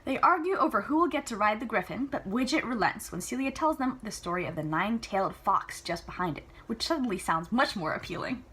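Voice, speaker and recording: Woman, husky and forward tone, reading fiction aloud, chatty, enthusiastic reactions. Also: mid-range voice, expressive, fairly quick, few pauses, a bit bright. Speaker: amateur book reader. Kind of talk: reading a novel aloud with casual asides.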